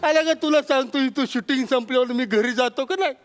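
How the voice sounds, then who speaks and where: A man's voice: very high-pitched, a little fast, background noise. An actor playing a bumbling, forgetful old king who soothes his son in a rustic drawl, in a stage comedy sketch. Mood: lamenting.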